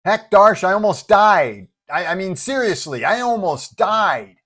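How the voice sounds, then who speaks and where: A man's voice: sits high, sing-song, measured pace, fairly bright tone, pitched above the performer's own voice, exaggerated voice. Exasperated male superhero, acted by a male narrator, storybook hero with a dramatic, complaining streak, irritable and easily rattled. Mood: shaken, irritated.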